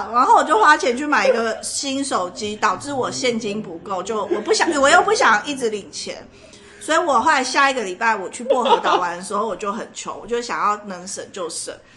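A woman's high, lively voice at a fairly quick pace, with big swings in loudness and noticeable background noise. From Taiwan, Hakka background. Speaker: podcast co-host. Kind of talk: casual chat.

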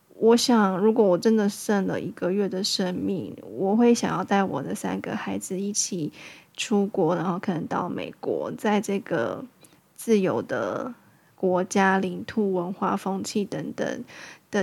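A woman's medium-pitched voice with vocal fry, ordinary pitch variation and a fairly slow pace, on a very clean recording with a silent background. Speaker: podcast host. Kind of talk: personal reflective monologue. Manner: hesitant, with many fillers.

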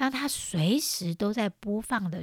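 A somewhat breathy woman with a Taiwanese accent, warm, gentle tone, lively intonation and a very slow pace, on a very clean recording with a silent background and a dry, close sound with no echo. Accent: Taiwanese Mandarin. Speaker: life coach and podcast host. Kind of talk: personal monologue podcast.

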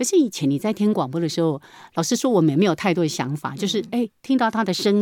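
In a very clean recording with a silent background, a woman with a medium pitch speaks at a fairly quick pace with lively intonation. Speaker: radio host. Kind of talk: casual chat. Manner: witty and elegant.

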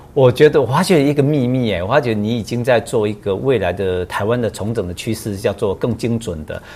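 A man talks in a normal speaking voice at medium pitch. He moves at a fairly quick pace with ordinary pitch variation. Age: 50s. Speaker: interviewer, app founder. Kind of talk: casual interview.

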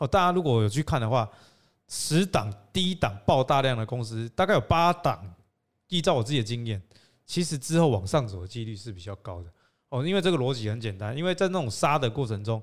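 A man's medium-pitched voice at a fairly quick pace, with very wide pitch swings. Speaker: podcast co-host. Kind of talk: casual chat about investing news.

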